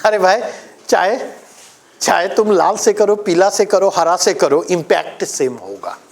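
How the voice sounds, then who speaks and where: Male coaching teacher, high lively voice, emphatic lecture to a class. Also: measured pace. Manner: emphatic, asks the class questions.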